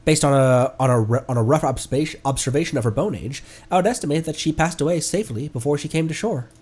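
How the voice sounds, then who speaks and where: A man voicing an earnest, pedantic academic who lectures in a halting way. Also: fairly high pitch, darkish tone, husky. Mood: earnest, lecturing. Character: earnest, pedantic young academic of marine bones.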